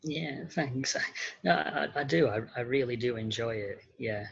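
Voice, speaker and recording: A man talking casually as an interview guest, hesitant and halting, with an understated way of speaking. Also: medium pitch, creaky, husky, highs cut off. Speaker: podcast guest, model and actor.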